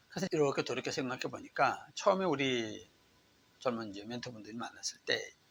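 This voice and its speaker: A man at a medium pitch, talking at a fairly quick pace. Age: 60s. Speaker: motivational YouTuber, mentor and counselor. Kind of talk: casual vlog monologue.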